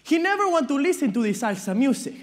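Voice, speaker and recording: A man playing a Latino immigrant father in a stage monologue, nervously cheerful, with a Latin American Spanish accent and halting broken English. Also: very high voice, sing-song. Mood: awkward, nervous. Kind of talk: dramatic monologue performed on stage. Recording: reverberant hall at a speech tournament.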